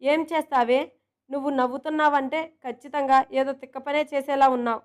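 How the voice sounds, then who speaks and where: An affectionate, teasing girlfriend, put on by a woman narrator; high voice, fond and coaxing. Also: steady tone, a little fast, close to an everyday voice. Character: teasing, affectionate young woman friend and coworker.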